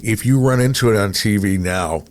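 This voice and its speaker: Low-voiced, rambling middle-aged male host. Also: slight background noise. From Minnesota, United States. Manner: rambling, halting, repeats himself. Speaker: podcast co-host, radio veteran. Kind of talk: casual conversational interviewing.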